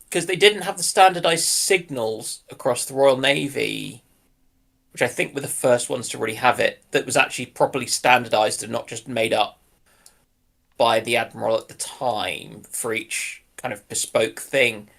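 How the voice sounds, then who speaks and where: A man's voice: mid-range voice, animated, moderate pace, gravelly, fairly bright tone. A man explaining something informally and a little tentatively in a casual panel discussion. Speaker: panellist on live discussion stream.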